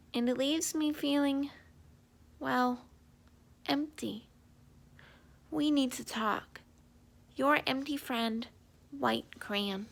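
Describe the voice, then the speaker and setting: A woman's voice: high-pitched, vocal fry, pushed and bright, pitched above the performer's own voice, heavily acted. A woman voicing a forlorn, overlooked white crayon in a children's storybook, plaintive and small-voiced. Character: forlorn, unnoticed white crayon feeling empty. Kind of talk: children's storybook read-aloud.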